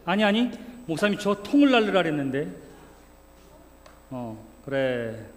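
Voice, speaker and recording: A pastor with a fairly high, sing-song voice leads a playful children's sermon at normal speed in a church sanctuary, coaxing the kids and calling them by name. The sermon includes a live demonstration, recorded in a reverberant hall with faint room noise.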